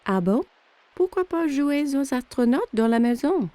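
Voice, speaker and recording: A woman playing a patient, encouraging mother in a children's cartoon, with a gentle, coaxing manner. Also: high-pitched, very animated, measured pace, no echo. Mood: concerned.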